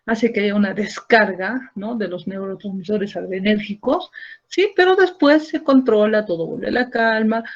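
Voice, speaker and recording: Female lecturer, gravelly edge, keeps checking in with the class, muffled lo-fi sound. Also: medium pitch, a little mellow. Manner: explains step by step, checks in with rhetorical tag questions and quizzes students. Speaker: medical lecturer. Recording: dull lo-fi recording.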